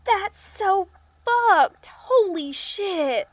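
A woman's voice: extremely high pitch, expressive, extremely slow, no echo, exaggerated voice. A woman playing a defiant, wounded young siren in an audio drama, blunt and emotional. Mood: uneasy.

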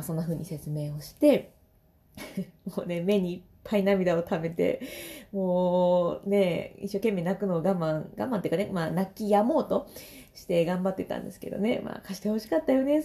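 A woman in her thirties with a Kansai accent talks through her solo podcast in a chatty, easy way. Her voice is mellow, and her pitch rises and falls in lively swings. She laughs often between phrases. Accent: Kansai Japanese. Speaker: podcast host and vocal trainer. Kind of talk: casual solo podcast talk.

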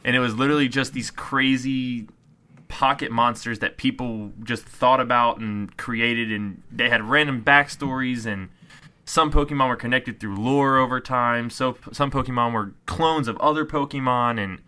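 A man's voice: medium pitch, moderate pace, pushed and bright, smooth. A young man co-hosting a casual podcast, explaining with enthusiasm. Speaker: podcast co-host. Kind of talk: casual chat.

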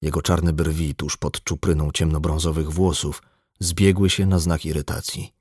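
A man narrating an audiobook in a calm, measured way. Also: a bass voice, slightly rough, no room sound, studio quality. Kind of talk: scripted narration.

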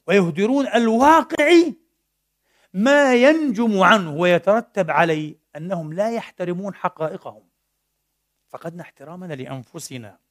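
A middle-aged man preaching a sermon in a mosque, telling a story animatedly and slipping between formal and colloquial speech. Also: sits high. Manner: animated storytelling, mixing classical and colloquial Arabic. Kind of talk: Friday sermon.

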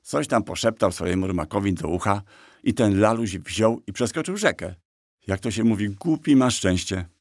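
A man's voice: fairly low pitch, expressive, moderate pace, no echo, clean studio sound. A man voicing a small, cheeky and boastful black talking horse in an audiobook, telling a tale slyly and mockingly. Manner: sly, mocking storyteller. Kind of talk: audiobook character voice.

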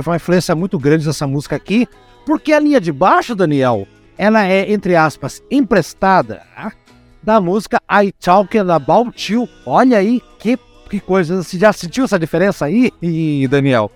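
A man with a Curitiba accent hosting a casual podcast about music albums, chatty and quick to laugh, full of fillers. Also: sits high. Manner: animated, chatty, laughs often, many fillers. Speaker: podcast host.

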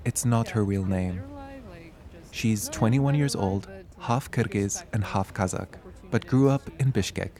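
A man narrating a radio documentary as a reporter, in a measured, explanatory way. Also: on the low side, a little mellow.

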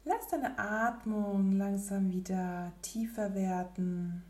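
A woman leading a guided relaxation meditation in a soft, breathy, near-whispered spa voice with gentle pauses. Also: medium pitch, roomy sound. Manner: slow, gentle, with long pauses.

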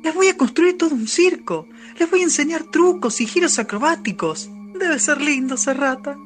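Young boy, eager, chattering, high voice, lively, radio drama, faint music. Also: moderate pace. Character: excited young boy, grandson.

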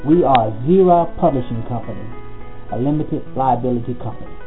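A man reading a scripted advertisement in a steady, promotional manner. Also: mid-range voice, brisk. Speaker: advertisement announcer. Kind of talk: scripted ad read. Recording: tinny lo-fi line with music bed.

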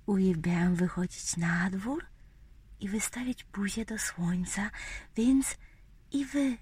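A woman telling a bedtime story to small children in a whispery, breathy voice, gently repeating phrases and asking them questions. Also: mid-range voice. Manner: slow, gentle, addressing little children with repetitions and questions.

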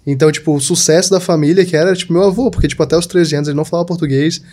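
A man's voice: a little high, fairly even intonation, racing, a little mellow. A young man from southern Brazil chatting casually as a podcast guest, full of fillers like "tipo" and "sabe". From Santa Catarina, Brazil. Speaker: podcast guest, digital marketer. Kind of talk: casual chat.

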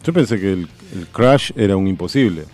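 A man's voice: deep voice, animated, a little fast, darkish tone, faint music behind. A man with a Rioplatense accent in a casual chat, explaining his view at length and thinking aloud. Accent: Rioplatense Spanish.

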